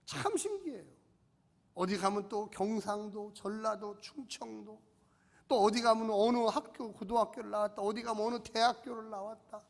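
A man's voice: high-pitched, moderate pace, creaky. A male pastor preaching a sermon in a church, urging the congregation to repeat phrases and respond. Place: church sanctuary. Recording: long church-hall reverb.

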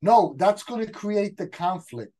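A man, brainstorming a game scenario as a guest game master in casual chat, talking excitedly with frequent restarts. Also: high voice, unhurried, low-quality recording.

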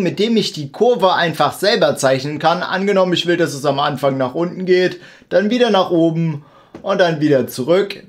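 A young man hosting a casual video editing tutorial, explaining informally and addressing the viewer directly. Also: fairly high pitch. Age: young adult. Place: small indoor home studio.

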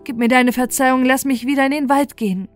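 A woman's voice: high voice, steady tone, fast, no echo, voice pushed up, close to an everyday voice. Fairy-tale storybook role: humble young prince, remorseful, emphatic pleading, played by a woman, music behind.

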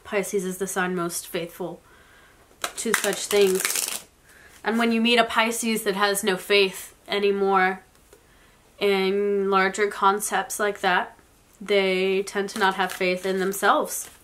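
Sniffly young woman w a cold, talking slow and soft, doing a tarot reading at home. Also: mid-range voice, flat delivery, a little hiss or hum. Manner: soft, slow and reflective, with occasional small laughs. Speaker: tarot reader. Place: indoors, in front of a floral blanket.

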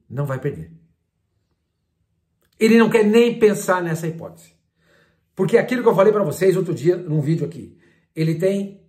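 An older man, commenting on football in a casual, animated way and retelling his conversations. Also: high-pitched. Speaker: sports journalist and commentator. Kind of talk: casual talk-to-camera commentary.

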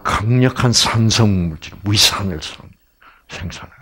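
In a large lecture hall, an older man gives an animated health talk on stage, his fairly low voice breathy at the edges and moving at a moderate pace. He swings from exclamations to hushed asides.

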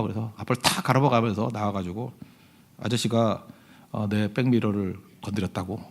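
A male pastor giving a conversational sermon. He tells stories, keeps asking the congregation to agree, and swings from loud emphasis to hushed asides. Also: mid-range voice. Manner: conversational storytelling, often asking the congregation "right?".

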